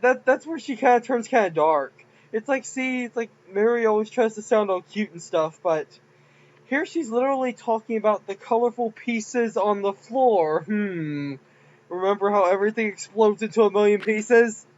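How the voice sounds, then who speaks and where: Giggly rambling man, high voice. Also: highs cut off, slight background noise. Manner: rambling, giggly, self-mocking. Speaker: game modder. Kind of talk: casual game commentary.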